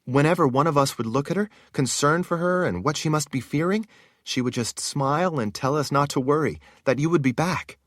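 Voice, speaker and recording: A man's voice: on the high side, fairly quick, fairly bright tone, dry recording, studio quality, pitched above the performer's own voice, close to an everyday voice. A man voicing an earnest, urgent woman, a devoted sorceress.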